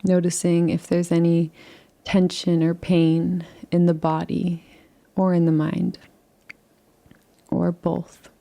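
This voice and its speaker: A woman leading a guided relaxation in a soft, unhurried, soothing way, gently inviting rather than instructing, with long pauses between phrases. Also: fairly low pitch, completely flat delivery, gravelly. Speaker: meditation guide.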